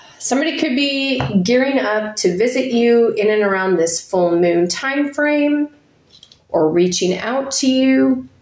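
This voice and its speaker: Noticeable background noise beneath a woman's fairly high-pitched voice. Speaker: tarot reader. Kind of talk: tarot reading video. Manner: casual, chatty.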